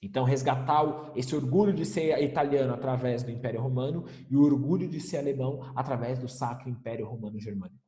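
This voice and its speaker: A man's voice: medium pitch, fast, hardly any pauses, dark tone. A man teaching a recorded history lesson, emphatic, asking rhetorical questions and repeating key points. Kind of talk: recorded class lecture. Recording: echoey room with long reverb.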